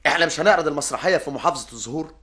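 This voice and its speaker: A cheeky young Egyptian son. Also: male voice, fairly high pitch, racing, a bit bright, breathy edge. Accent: Egyptian Arabic. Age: young adult. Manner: playful, cheeky. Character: cheeky, scheming young son, full of ideas. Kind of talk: radio drama acting.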